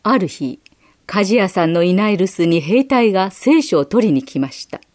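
A woman gently reading a children's Bible story aloud as scripted narration. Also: medium pitch, moderate pace. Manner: gentle, expressive reading with acted quotes.

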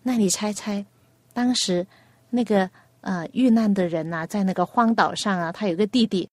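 A woman hosting a children's radio program, asking a young guest patient, coaxing questions and telling a gentle story. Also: medium pitch, moderate pace, no echo, clean studio sound.

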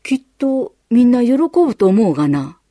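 A woman voicing a kind, patient father gently advising his son in a children's story. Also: moderate pace, dry recording, studio quality. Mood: encouraging. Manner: lowered calm fatherly tone.

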